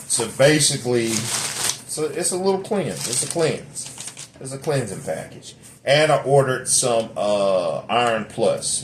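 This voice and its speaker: Talkative low-voiced man vlogging at home. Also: background noise. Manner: talkative, many fillers and restarts; drops into a deep put-on radio voice. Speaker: vlogger reviewing a product. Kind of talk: rambling casual vlog. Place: home room. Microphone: camera set up nearby.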